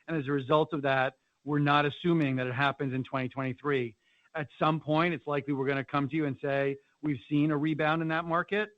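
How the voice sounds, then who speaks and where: A man speaking as a company finance executive, answering analyst questions in a measured, hedging way peppered with "you know". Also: fairly high pitch, steady tone, dry recording. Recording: dull, band-limited conference call audio.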